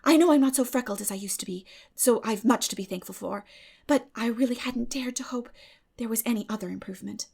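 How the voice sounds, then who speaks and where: Woman as an earnest, gushing, high-voiced young girl. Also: a little fast, creaky, a little mellow, breathy edge. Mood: radiant, grateful. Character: chatty, earnest, excitable country girl with romantic fancies. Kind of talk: dramatic audiobook character reading.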